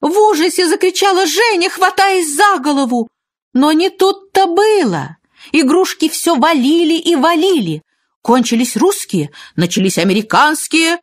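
A woman narrating a children's fairy tale in an expressive, dramatic storytelling manner. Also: high voice, normal speed. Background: music.

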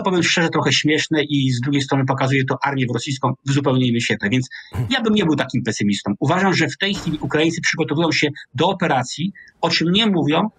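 A man in his sixties with a Polish accent, a military analyst explaining at a measured pace over a video call from a small home office. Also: on the high side, fairly bright tone, husky, no room sound. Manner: measured, explanatory, restarts mid-word. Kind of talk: analytical interview commentary. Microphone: video call webcam.

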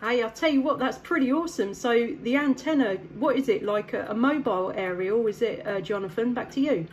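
English woman radio operator, friendly, higher pitched voice. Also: brisk, a little hiss or hum. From south east England. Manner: friendly, upbeat, ends turns with "back to you". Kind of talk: casual radio chat.

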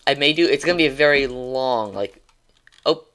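A man's voice: medium pitch, animated, moderate pace, a bit bright, clear, resonant tone. A man streaming games, signing off his stream in casual, rambling chat, tongue-tied, with many restarts and ums and small chuckles. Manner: chuckles while talking. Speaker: gaming streamer. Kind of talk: casual livestream sign-off chat.

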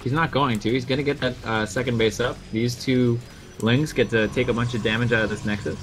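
A man co-commentating a strategy game in a relaxed, casual style, often pausing and hedging as he talks. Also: mid-range voice, over music. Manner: relaxed, hesitant, many fillers. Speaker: esports commentator.

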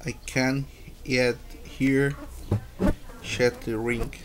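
A man with a Brazilian accent, a native Portuguese speaker, haltingly reading aloud as an English learner and repeating words and phrases. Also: mid-range voice, level tone, noisy background. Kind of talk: halting read-aloud pronunciation practice.

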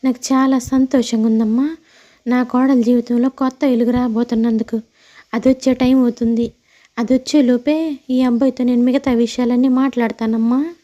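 A woman voicing a kindly, grateful elderly mother-in-law who speaks in an emotional, motherly way in an animated moral story. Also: a little high, normal speed, lo-fi sound, lightly acted. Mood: grateful, welcoming. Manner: emotional, motherly, addressing others fondly.

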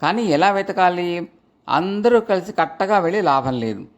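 A man's voice: sits high, lively intonation, normal speed. A man voicing a businesslike jewel merchant in a storybook reading. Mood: indignant.

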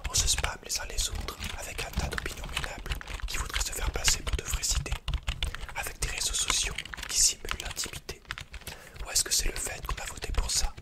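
A young man playing a withdrawn, cynical young hacker in a hesitant, murmured ASMR roleplay. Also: lightly acted. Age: young adult. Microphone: close-up mic, seated at desk.

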